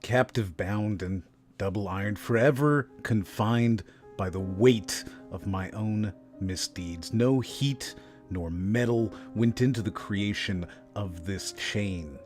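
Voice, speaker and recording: Stern businessman ghost in chains , male actor, grave and theatrical, very slow low delivery, music underneath, for audio drama. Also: darkish tone. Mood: grave, ominous. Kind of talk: fan audio drama acting.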